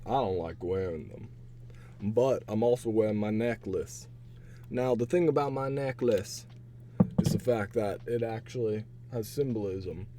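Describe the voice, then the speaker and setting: A young man streaming casual chat while he takes online quizzes. His voice is hoarse and raspy, and he rambles with a chatty manner. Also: lowish voice, unhurried, noisy background. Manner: chatty, rambling, laughs to himself. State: hoarse, voice partly gone.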